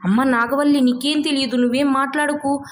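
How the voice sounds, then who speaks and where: A woman's voice: high voice, fairly even intonation, brisk, a little hiss or hum, voice pushed up, natural voice. Woman voicing an indignant, blustering village father. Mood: scolding. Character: defensive, threatening village father, greedy and deceitful.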